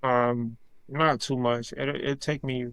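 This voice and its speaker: Laid-back man with flat delivery. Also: mid-range voice, slow, smooth, no echo, low-quality recording. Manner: laid-back, plain answers, slangy grammar. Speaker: professional boxer guest. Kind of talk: casual interview answers.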